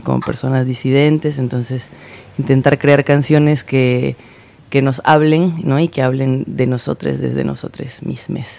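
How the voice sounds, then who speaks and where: Gravelly, flat-voiced Peruvian trans guest. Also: medium pitch. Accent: Peruvian Spanish. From Peru. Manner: soft, halting, with many pauses. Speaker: singer-songwriter guest. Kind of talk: radio introduction and song intro.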